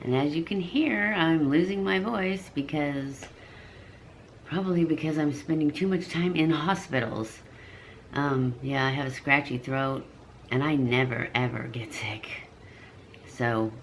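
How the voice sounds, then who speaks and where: A woman in her fifties with a forceful, bright tone, chatting through a makeup review. Her voice sits a little low, and she rambles and corrects herself along the way. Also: slight background noise. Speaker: beauty vlogger. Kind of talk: casual makeup review to camera.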